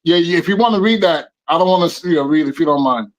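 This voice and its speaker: A man in his fifties with a noticeably high-pitched voice, talking in an effusive, animated way. He repeats short phrases for emphasis and mixes in a New lilt. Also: quick pace. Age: 50s. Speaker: podcast guest DJ. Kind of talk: casual podcast chat.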